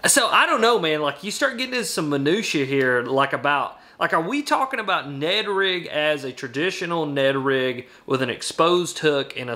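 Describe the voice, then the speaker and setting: Brief: young man, animated guest, emphatic, bright tense voice, slightly high, webcam at home. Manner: animated, emphatic, argues his case. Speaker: guest angler. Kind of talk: casual debate over a video call. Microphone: webcam on a video call.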